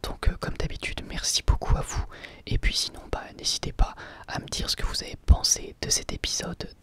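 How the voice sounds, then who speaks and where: A person whispering a casual, enthusiastic ASMR review in a soft, breathy voice, with slangy wording, as host of an anime channel. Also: a little fast.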